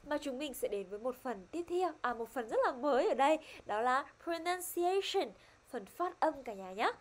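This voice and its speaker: A woman's voice: sits high, animated, normal speed. A woman teaching a primary-school English lesson online, upbeat and coaxing. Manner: upbeat, coaxing, switches between two languages.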